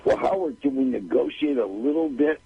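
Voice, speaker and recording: Male radio caller, heavy rasp, gravelly fry, dull dry audio, emphatic, repetitive, casual arguing. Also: mid-range voice, moderate pace. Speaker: call-in guest and manager. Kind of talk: casual argumentative chat. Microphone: call-in line.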